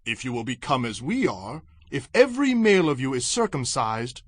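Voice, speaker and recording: An actor playing a measured tribal elder in a dramatized scripture reading, speaking in a formal, deliberate manner. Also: male voice, mid-range voice, big pitch swings, slightly rough, no echo. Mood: firm, measured. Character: Hamor, measured tribal elder negotiating for his family.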